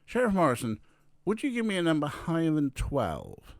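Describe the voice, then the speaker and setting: An assured girl magician, voiced plainly by a man reading aloud. The lines are instructive and matter-of-fact with lively pitch, close and dry. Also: moderate pace, no echo. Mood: confident.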